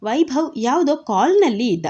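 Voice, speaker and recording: A woman narrating a serial novel in a steady, dramatic storytelling manner. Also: high-pitched, moderate pace, slightly rough, muffled recording.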